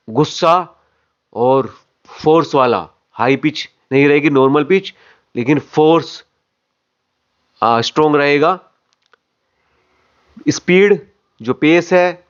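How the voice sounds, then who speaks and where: A man's voice: on the high side, slow, long pauses, lo-fi sound. A man coaching acting, explaining phrase by phrase and repeating words for emphasis. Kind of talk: explanatory lesson on voice modulation.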